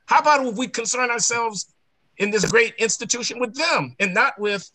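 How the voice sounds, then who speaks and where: A man's voice: very high-pitched, moderate pace, sharp tone, no room sound, poor audio. A man speaking as a panelist in a discussion, talking emphatically with lots of restarts. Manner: emphatic, ranting, many restarts.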